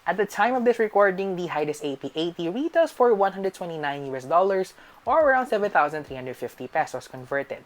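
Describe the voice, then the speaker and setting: A woman with a Filipino accent narrating a scripted tech review. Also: low-pitched.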